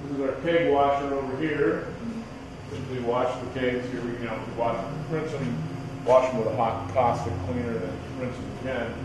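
American guy, middle aged, chatting casually like hes giving a tour, far from the mic with loud background hum. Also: mid-range voice, fairly even intonation, moderate pace. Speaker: brewery owner giving a tour. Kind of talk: casual explanatory tour talk. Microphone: camera a few feet away. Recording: echoey rooms, distant camera mic, noisy hum.

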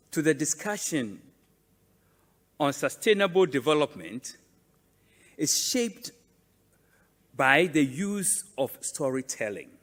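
A man delivers a formal, prepared address in a somewhat high voice. He speaks very slowly and deliberately, leaning on phrases between pauses, and his words ring with long reverb in a large hall. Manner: deliberate, measured, emphatic with pauses. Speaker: conference speaker presenting a museum.

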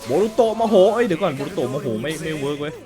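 A young man giving playful gameplay commentary, excitable and mouthing sound effects for each attack. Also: on the high side, racing. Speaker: gaming YouTuber. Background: game music.

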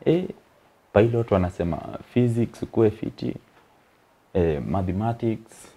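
A man's voice: on the low side, unhurried, creaky, dark tone, breathy edge, lo-fi sound. A young Kenyan man with a Kenyan accent, a comedian guest telling his story in a casual interview, rambling and chuckling, mixing in slang, on an indoor studio set.

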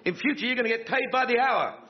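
An actor playing a pompous, bossy would-be Prime Minister with an English accent, blustering colloquially in a radio sitcom. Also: male voice, extremely high pitch, fast. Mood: indignant. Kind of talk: radio sitcom acting before an audience. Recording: muffled, with studio audience laughter.

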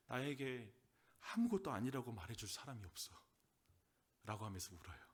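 A male pastor with a Gyeongsang Korean accent delivers a sermon, swinging from loud, emphatic lines to soft, whispered asides. His voice is husky and medium in pitch.

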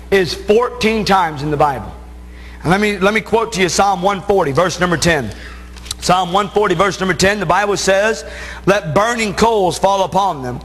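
A middle-aged American man preaches from the Bible in a notably high-pitched voice. He leans hard on key phrases, stretching them out for emphasis. The sound carries the long reverb of a church hall. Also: fairly bright tone. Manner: emphatic, stressing key phrases with drawn-out words. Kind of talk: Bible sermon to a congregation. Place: church sanctuary, at the pulpit and pacing beside it.

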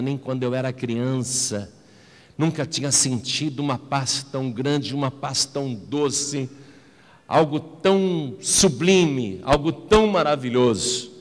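A man preaching a personal testimony, shifting from slow, hushed, low delivery to high, emotional outbursts. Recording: long hall reverb.

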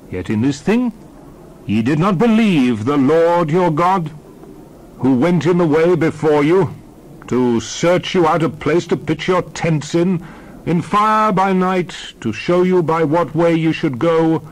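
A man's voice: fairly high pitch, poor audio. A man playing an earnest prophet-leader in a dramatized scripture reading, emphatic and oratorical. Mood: exhorting, reproachful. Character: Moses, earnest male leader pleading and exhorting.

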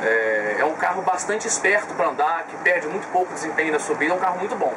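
A young man in his twenties with a Brazilian Portuguese accent, calmly explaining his motorhome to an interviewer and pausing on filler sounds. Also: fairly high pitch. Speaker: motorhome owner showing his vehicle. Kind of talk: casual interview, explaining details. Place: inside a parked motorhome. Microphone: camera mic, speaker facing the camera at close range. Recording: distant camera mic with clear background noise.

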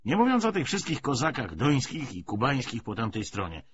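A man's voice: mid-range voice, huge pitch swings, moderate pace. A man reading an audiobook, voicing a weary, cynical, persuasive Bolshevik official with emphatic, hesitating, rhetorical speech. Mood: confiding. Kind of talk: dramatised audiobook dialogue. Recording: dull lo-fi audio, faint noise.

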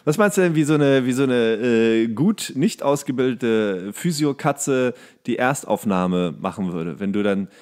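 A man's voice: medium pitch, animated, unhurried, few pauses, a little mellow. A man co-hosting a podcast in casual comedic banter, rambling along in a jokey, mock-serious way. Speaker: podcast co-host.

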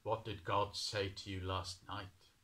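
A man voicing an old, blind, weary priest who speaks low, soft and quietly. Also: flat delivery, slow. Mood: grave. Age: older.

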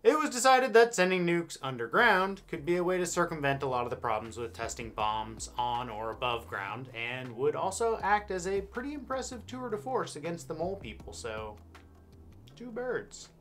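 Wry American man with lively pitch. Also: normal speed. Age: 30s. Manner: wry, deadpan sarcasm. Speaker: host. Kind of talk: scripted comedic history narration. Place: indoor studio with backdrop.

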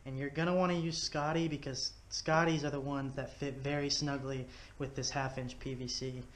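A man's voice: medium pitch, level tone, normal speed. A man from Texas explaining step by step while building something with his hands, talking casually in his living room into a head-mounted action camera. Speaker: fishing video host. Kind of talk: casual how-to demonstration. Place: living room at home, indoors.

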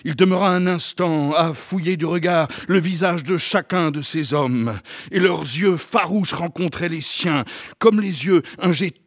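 A man reading a novel aloud on a literary stage, with measured, expressive narration. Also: fairly high pitch. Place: literary stage, live event.

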